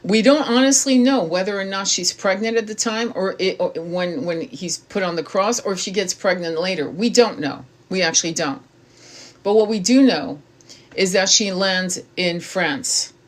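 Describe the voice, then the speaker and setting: A woman's voice: medium pitch, moderate pace. A woman hosting her own channel, reading aloud from a book and breaking off into blunt, casual commentary with frequent swearing and stumbles. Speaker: tarot reader and spiritual channel host.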